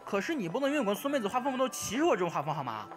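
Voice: medium pitch, very animated, over music, natural voice. A performer in an amateur radio drama playing a hyperactive young male gamer who chatters, repeats words and badgers indignantly. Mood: excited, indignant. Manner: rapid-fire, repetitive, badgering.

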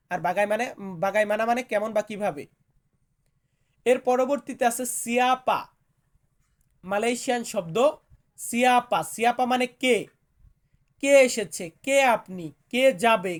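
A man teaching vocabulary in a slow lesson, repeating each word and its meaning with care. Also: high-pitched. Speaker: language teacher.

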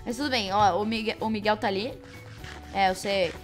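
A woman with a Brazilian Portuguese accent hosting a let's-play, excitable, shrieking and teasing as she plays. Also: medium pitch, moderate pace, soft background music. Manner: excitable, shrieks and shouts at game events, playful teasing. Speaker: gaming channel host. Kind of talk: let's-play game commentary.

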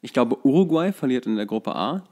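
A man's voice: mid-range voice, very animated, fairly quick, warm tone. A man chatting casually and jokingly as a podcast co-host. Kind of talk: casual chat.

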